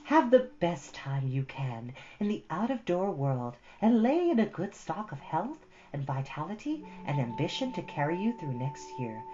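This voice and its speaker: A woman voicing a kind schoolteacher in a storybook reading, speaking in a gentle, measured, encouraging way. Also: deep voice, sing-song, dull audio, a little hiss or hum. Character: kind, composed young woman schoolteacher, encouraging her class.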